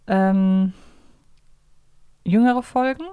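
A woman's voice: medium pitch, very slow, mellow, clear, resonant tone, no echo. Woman chatting casually in a dry recording. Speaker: co-host of a fan show, guessing game player. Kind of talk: casual game chat, thinking aloud.

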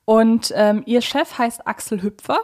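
A woman's voice: on the high side, unhurried, darkish tone. A woman podcast host moderating conversationally, explaining things in a chatty, wordy way.

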